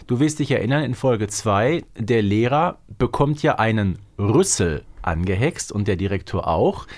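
A man's voice: on the low side, expressive, moderate pace, darkish tone. A man co-hosting a podcast, explaining things in casual, conversational talk. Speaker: podcast co-host.

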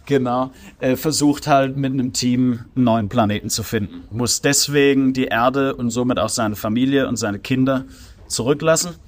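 A man's voice: medium pitch, normal speed. Man, podcast co-host, rambling casual storyteller, filler-heavy. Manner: rambling, many fillers, laughs easily. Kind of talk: casual chat.

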